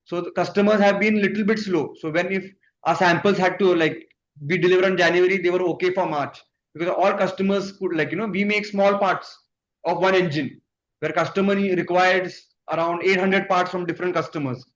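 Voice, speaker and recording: A man's voice: sits high, steady tone, fairly quick. A man with an Indian accent, a company executive answering investors on an earnings conference call. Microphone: conference call line. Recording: muffled conference call, background noise.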